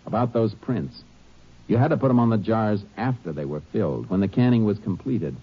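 An actor playing a tough, steady Texas Ranger who tells his case tersely in a 1950s radio drama. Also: lowish voice, a little fast, slightly rough. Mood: confident, accusing. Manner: terse, clipped storytelling. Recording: vintage radio recording, dull, music behind.

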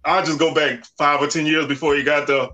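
A man in his forties with a drawl, chatting loosely about college football. His voice sits a touch high and sounds bright and forceful. He leans on easy fillers like "you know" and "man.". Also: brisk. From Southern United States. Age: 40s. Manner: relaxed, conversational, lots of "you know" and "man". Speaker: podcast guest. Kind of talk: casual sports talk.

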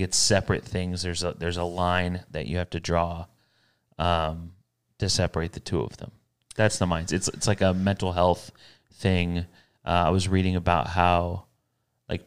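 Deep, smooth-voiced man hosting a podcast. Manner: rambling, self-correcting, upbeat. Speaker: podcast co-host. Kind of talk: casual podcast chat. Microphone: studio podcast mic.

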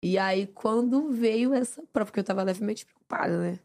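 A young woman from Brazil, a reality show winner chatting as a podcast guest, expressive and quick to laugh. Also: mid-range voice. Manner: expressive, laughs often, storytelling. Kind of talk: casual podcast chat.

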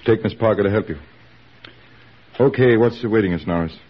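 A brisk army surgeon. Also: male voice, fairly low pitch, slightly rough. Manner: brisk, commanding. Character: brisk wartime army surgeon, male, middle-aged. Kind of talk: 1940s radio acting. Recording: dull old radio recording.

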